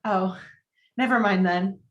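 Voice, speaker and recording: A woman's voice: medium pitch, unhurried, dull audio, lightly acted. A woman playing an anxious, earnest teenage girl in a virtual table read. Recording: roomy, echoing home room.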